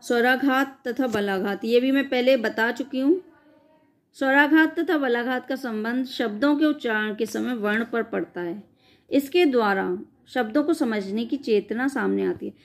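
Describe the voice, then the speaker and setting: A woman's voice: fairly high pitch, unhurried. A woman teaching an exam-prep grammar lesson, reading definitions and then explaining them in a loose, spoken way, often correcting herself mid-sentence. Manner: frequent self-corrections and "sorry".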